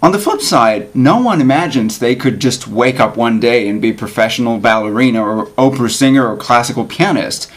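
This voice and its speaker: Expressive man reading an essay aloud. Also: medium pitch, brisk, hardly any pauses. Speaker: actor reading an article aloud.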